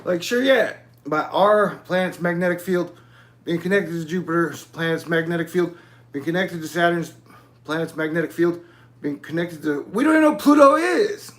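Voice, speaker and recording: This forties-aged man runs his own YouTube channel and talks in a wandering, digressive way, cursing casually. His pitch is fairly high, his delivery animated and a bit bright, at a normal speed.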